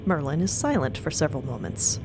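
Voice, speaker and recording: A woman's voice: low-pitched, sing-song, brisk, background noise. A woman delivering dramatic scripted narration for an audio fiction story.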